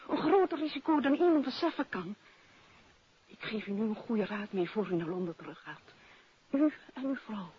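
A woman's voice: mid-range voice, lively intonation, moderate pace, a little hiss or hum, close to an everyday voice. An actress playing a frightened, secretive woman in a 1950s radio drama, speaking in a grave and insistent way. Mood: urgent warning. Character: frightened, secretive woman urgently warning a detective. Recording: dull old radio recording.

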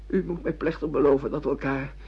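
A middle-aged amnesiac, bewildered and sardonic, with a theatrical turn of phrase. The voice is fairly high for a man and very husky, with rough creak. It sounds like a radio play on a dull, lo-fi recording. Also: fairly even intonation, fast talker. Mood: agitated. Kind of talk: Dutch radio play acting.

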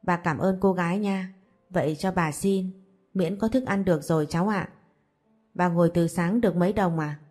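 A woman voicing a kind, gentle elderly beggar woman, speaking slowly and softly. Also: lowish voice, faint music behind, lightly acted. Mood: grateful.

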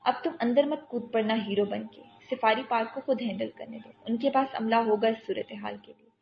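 A woman's voice: on the high side, creaky, echoey room, slight background noise. A woman voicing a wary, impatient man who cautions and scolds his friend, on dull lo-fi audio. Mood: warning. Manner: cautioning, irritable.

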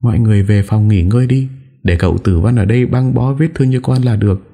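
A man's voice: rumbling low, lively intonation, measured pace, vocal fry, warm tone, exaggerated voice. A man voicing a scheming young wife who whines through sobs in a storybook reading. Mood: tearful whining. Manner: whiny, sobbing complaint.

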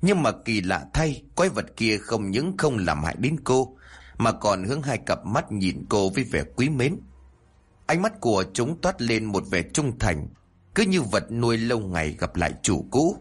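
A man narrating a spooky audio story with a lively, dramatic telling. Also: on the low side, normal speed, slightly rough.

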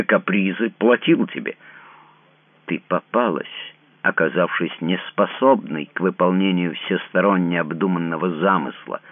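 A man's voice: a bass voice, no echo, full character voice. A man doing a cold, cynical schemer. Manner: cold, measured, clipping each word. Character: cold, scheming male lover, mocking and cynical. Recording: tinny narrow-band radio sound, dry.

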